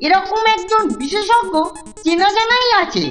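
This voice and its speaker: A woman's voice: extremely high pitch, measured pace, fairly bright tone, soft background music. A woman voicing an obedient but suspicious little schoolboy in a children's cartoon. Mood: wary.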